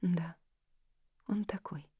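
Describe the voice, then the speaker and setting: A woman voicing a reserved young woman in her twenties in an audiobook, quiet, calm and a little weary. Her tone is low and mellow, recorded dry and close. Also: slow, husky, dry recording, dull audio, exaggerated voice.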